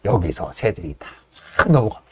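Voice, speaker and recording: A woman's voice: a bass voice, sing-song, a little fast, fairly bright tone, husky. A woman hosting a casual play-reading show, explaining the scenes in a chatty way. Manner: chatty, laughs while explaining. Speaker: podcast host reading plays.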